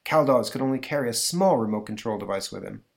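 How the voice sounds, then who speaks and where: A man's voice: medium pitch, animated, quick pace, vocal fry. Confident comic-book hero, earnest and commanding, speaking in declarations, read by a man. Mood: resolute. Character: resolute, confident male comic-book superhero with mind powers.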